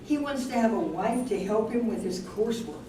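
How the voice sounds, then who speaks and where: A woman's voice: a little high, animated, fairly quick, close to an everyday voice. Woman acting self-assured college girl, very echoey. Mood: firm. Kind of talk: staged play reading. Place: indoor venue at a live staged reading. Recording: very echoey, noisy room, far from mic.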